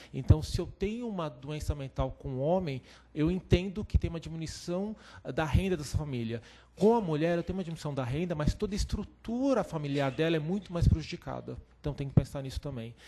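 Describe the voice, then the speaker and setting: Fairly high in pitch yet dark and mellow in tone, a man's voice moves at a fairly quick pace with lively intonation. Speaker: physician and brain researcher, panelist. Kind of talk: short panel talk at a seminar. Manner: fast; halting, many fillers and repetitions.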